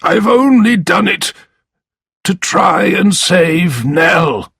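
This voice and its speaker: A man reading a story aloud and voicing a desperate old grandfather who cries out and pleads, in a raspy voice. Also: high voice, animated, extremely slow, fairly bright tone, no room sound, clean studio sound, voice pushed up, full character voice. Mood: pleading. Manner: pleading, crying out.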